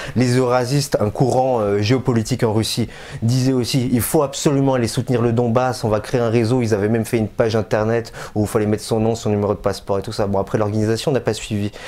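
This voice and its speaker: A man talks very fast at medium pitch with fairly even intonation. Noticeable background noise is present. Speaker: war volunteer. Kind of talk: interview. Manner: halting.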